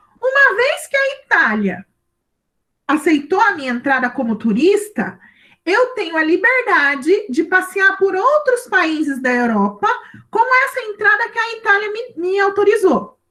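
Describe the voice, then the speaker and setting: A woman's extremely high, raised and projected voice, bright and sharp in tone, with very wide pitch swings. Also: fairly slow pace. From Brazil. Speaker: school teacher. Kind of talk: online class lecture.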